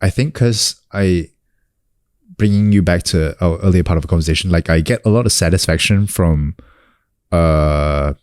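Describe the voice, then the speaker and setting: A casual interview features a guest, an actor and coach from New Zealand in his thirties, with a very low voice. He stays relaxed at a moderate pace, leaning on fillers and restarting sentences, recorded dry and close with no echo.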